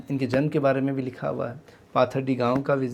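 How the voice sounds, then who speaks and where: A man's medium-pitched voice with music in the background. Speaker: podcast host. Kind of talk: spiritual podcast talk.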